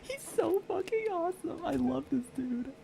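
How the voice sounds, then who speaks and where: A man's voice: very high-pitched, expressive, normal speed, creaky, mellow, poor audio. A man giving casual, enthusiastic, slangy commentary as a gaming streamer. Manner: slangy, rambling.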